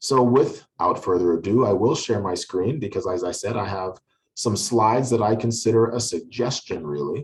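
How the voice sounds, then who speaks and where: At a moderate pace, a man speaks at medium pitch in a somewhat breathy voice with ordinary pitch variation. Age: young to middle-aged. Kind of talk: presentation to online audience. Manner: animated.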